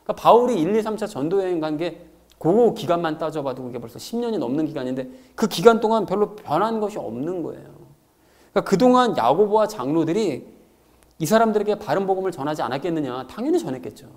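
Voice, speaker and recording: A man preaching a sermon as pastor, expressive and explanatory, acting out quoted lines as he goes. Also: a little high, fast talker.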